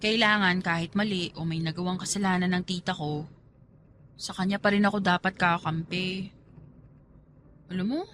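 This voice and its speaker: A woman's voice: mid-range voice, background noise, close to an everyday voice. A woman playing a loyal young niece who pleads earnestly in a radio romance drama. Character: pleading, loyal young niece defending her heartbroken aunt.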